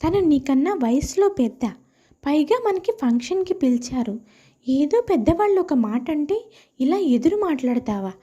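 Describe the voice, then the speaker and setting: A woman's voice: high voice, lively intonation, moderate pace, mellow, highs cut off. A woman voicing a reproachful, status-conscious elder daughter-in-law who chides others in a family story. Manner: chiding.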